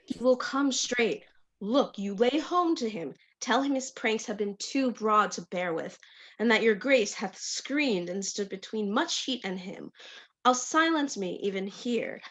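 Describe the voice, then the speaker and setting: A slow, fairly high voice plays a meddling old counsellor at court a woman in the male role. The lines are deliberate Shakespearean verse, delivered as a stage reading. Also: animated. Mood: urging, scheming. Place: remote livestream from home.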